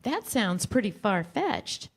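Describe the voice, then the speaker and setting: A woman playing a plain-speaking friend who is quick to take offence, in a staged comedy reading. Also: medium pitch, big pitch swings, heavily acted. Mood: concerned, puzzled.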